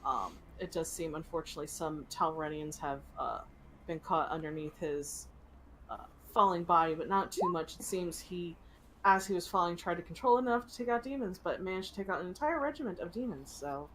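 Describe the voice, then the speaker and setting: A woman game master improvising descriptive narration for a tabletop game in a halting way. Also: fairly low pitch, a bit bright, slight background noise, poor audio.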